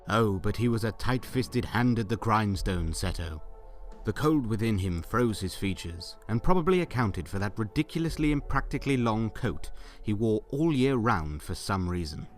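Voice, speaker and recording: A man playing a genial fireside storyteller, narrating an audio drama in a wry, theatrical way. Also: fairly low pitch.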